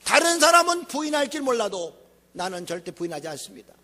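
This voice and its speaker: A preacher doing a boastful, insistent disciple. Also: male voice, extremely high pitch, big pitch swings, fast, pushed and bright, full character voice. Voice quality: insistent, protesting. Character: boastful, self-assured male disciple. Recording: echoey church hall.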